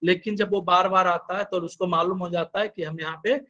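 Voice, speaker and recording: A man's voice: sits high, steady tone, a little fast, sharp tone, lo-fi sound. A man giving a lecture, mixing Hindi and English and explaining through many examples.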